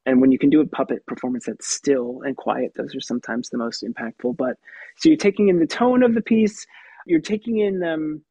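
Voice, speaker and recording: A puppeteer and voice actor talking through his craft in an interview, with a light, youthful tenor voice and an animated manner that breaks into laughs. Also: fairly high pitch, a little fast, breathy edge, no echo, rough recording. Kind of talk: conversational interview answers.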